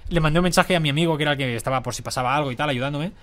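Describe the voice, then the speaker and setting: A man's voice: on the high side, very fast, fairly bright tone. A young man with a Catalan accent and a stuffy nasal cold, telling a story as a podcast guest, rambling with lots of fillers. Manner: rambling, many fillers like "en plan" and "¿sabes?". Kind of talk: casual storytelling in a podcast interview.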